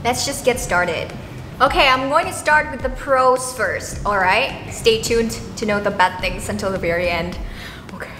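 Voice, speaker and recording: A woman's voice: a little high, normal speed, roomy sound, long reverb tail, background noise. A woman from Indonesia, chatting casually to camera as a vlogger and often checking in with viewers. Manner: chatty, often asks viewers okay and right.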